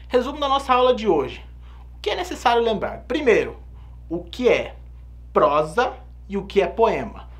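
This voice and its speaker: A man's voice: sits high, fairly bright tone. A man with a Brazilian Portuguese accent teaching a recorded lesson, explaining step by step and checking in with the listener.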